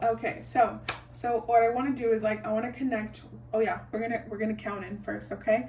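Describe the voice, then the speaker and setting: Fairly quick female speech amid noticeable background noise. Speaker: tarot reader and psychic. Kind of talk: tarot reading. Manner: halting, repeats words; casual, filler-heavy.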